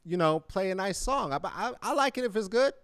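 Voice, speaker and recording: A man from Colorado hosting a casual conversation, playful and quick with jokes. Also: high voice, animated, fairly bright tone, clear, resonant tone, no room sound, studio quality. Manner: playful and joking, quick quips. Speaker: podcast host.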